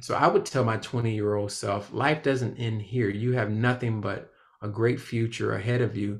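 A man with an American accent talks at a moderate pace. His voice is fairly low and somewhat breathy, with fairly even intonation. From Florida, US (Immokalee). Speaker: organizational psychologist and executive coach. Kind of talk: interview.

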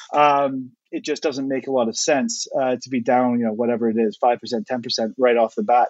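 A man with a Canadian accent and a plain, everyday voice, medium in pitch, at a fairly quick pace with hardly any pauses and fairly even intonation. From Canada. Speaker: fintech founder and CEO. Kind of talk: panel discussion. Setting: video call.

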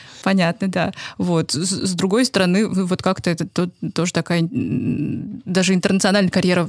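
Keeping her loudness very even, a woman with a normal speaking voice talks at a moderate pace and a medium pitch, with ordinary pitch variation. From Kalmykia, Elista. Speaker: magazine editor-in-chief. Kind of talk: casual chat. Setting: studio.

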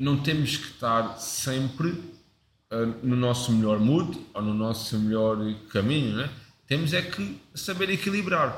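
With audible room echo, a man speaks very slowly in a somewhat breathy, medium-pitched voice, his intonation lively and his speech broken by long, frequent pauses. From Portugal, Setúbal. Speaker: chef and restaurant owner. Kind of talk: casual interview. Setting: restaurant.

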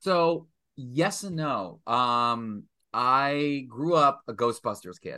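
A man with an American accent talks at a very slow pace, his fairly high voice bright and sharp in tone. His intonation is lively, and the background is quiet. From Massachusetts, Boston area (Stoughton). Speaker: filmmaker. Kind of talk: casual interview chat.

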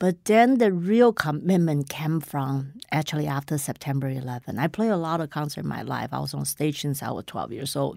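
With a Chinese accent, a woman speaks in a very deep, low voice with lively intonation on a very clean recording with a silent background. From Taiwan. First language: Mandarin Chinese. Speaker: pianist and chamber music director. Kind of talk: interview conversation.

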